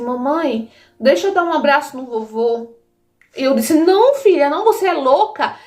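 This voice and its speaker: A woman telling a dramatic first-person story to her listeners, emotional and direct, often calling out to them. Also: on the high side. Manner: emotional, addresses listeners as "gente".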